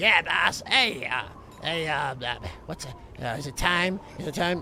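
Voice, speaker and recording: A man uses a put-on character voice at a fairly high pitch. Background noise is clearly audible. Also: moderate pace. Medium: actual play. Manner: hesitant, stammering.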